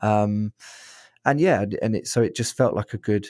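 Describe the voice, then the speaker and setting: A man with a fairly low pitch and a dark, mellow tone speaks at a moderate pace with fairly even intonation, recorded very cleanly against a silent background with a dry, close sound and no echo. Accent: southern English. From England, Brighton. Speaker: founder of a video training business and an adventure company. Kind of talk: casual interview chat.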